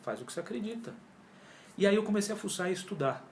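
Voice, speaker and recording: A high-voiced fast talker, heard with slight background noise, is a Brazilian yoga teacher in his 40s. Guesting in a relaxed interview chat, he tells his story animatedly, acting out his earlier exchanges and leaning on heavy slang. The echoey room holds a faint ambience.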